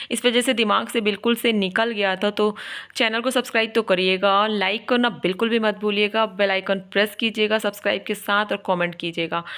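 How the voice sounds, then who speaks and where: Recorded very cleanly against a silent background, a woman speaks at a moderate pace with hardly any pauses, very even loudness and monotone, flat intonation. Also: medium pitch for a woman. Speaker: vlogger. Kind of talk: vlog voice-over. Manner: casual, chatty.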